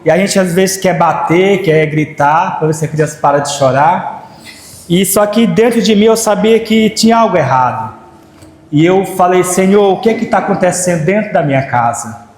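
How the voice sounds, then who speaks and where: A man with a high voice tells his story to a congregation in plain conversational speech, stumbling and restarting as he goes. His voice echoes through a church hall with a long tail of reverb. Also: normal speed. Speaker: preacher. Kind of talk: sermon testimony.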